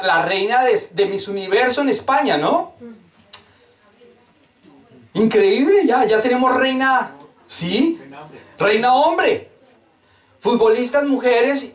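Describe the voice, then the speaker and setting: A man's voice: extremely high pitch, fairly bright tone. A man preaching a sermon, fervent and emphatic, with rhetorical questions and lots of repetition. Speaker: pastor. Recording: echoey room, mic at a distance.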